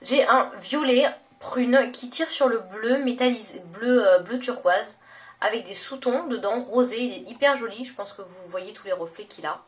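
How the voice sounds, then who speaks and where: A woman's voice: on the high side, normal speed, far from the mic, slight background noise. A young woman talking casually in a makeup haul vlog, chatty and gushing, with many fillers and self-corrections. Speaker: beauty vlogger.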